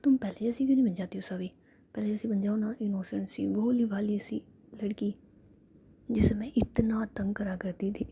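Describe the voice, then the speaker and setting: A woman's voice: mid-range voice, fairly even intonation, normal speed, mellow, slight background noise, close to an everyday voice. A woman whispering the lines of a teasing, affectionate young woman in a spoken story. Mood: tender.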